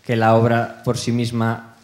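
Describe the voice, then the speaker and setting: A man interviewing on a panel, asking a long question in a measured way while searching for his words. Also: medium pitch, completely flat delivery, a little mellow.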